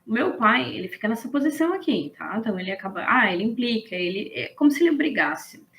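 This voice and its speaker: A woman, explaining ideas in a casual, animated lesson and checking in with her listeners. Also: on the high side, quick pace, background noise. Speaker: business management instructor.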